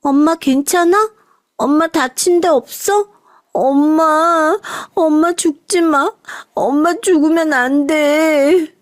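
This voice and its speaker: A frightened girl of eleven, acted by a woman narrator, pleading and crying out in a high voice. She sounds desperate to protect her mother, in a closely recorded, dry audio story drama. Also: slow pace, no room sound. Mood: panicked.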